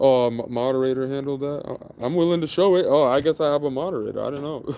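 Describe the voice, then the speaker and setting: A man's fairly high voice at a very fast pace, with fairly even intonation. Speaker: livestreamer. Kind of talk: live stream chat with viewers. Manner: halting, many fillers and restarts; mumbling.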